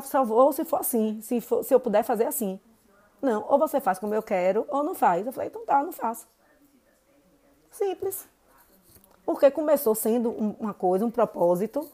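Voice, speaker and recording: Woman, 40s, Bahian accent; warm, slightly high voice; chatty podcast host talking straight to the audience. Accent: Bahian Portuguese, Salvador. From Brazil. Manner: chatty, keeps addressing listeners with "gente" and "né". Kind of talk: casual monologue podcast.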